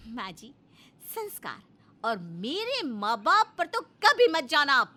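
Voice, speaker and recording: A woman voicing a bossy, sharp-tongued young wife in a cartoon story, snapping back with shrill retorts. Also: huge pitch swings, takes it slowly, full character voice.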